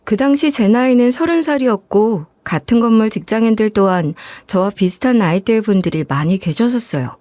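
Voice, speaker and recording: 차분한 여성 사연 낭독자. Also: female voice, on the high side, dark tone, no room sound. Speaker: story narrator. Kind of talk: scripted narration.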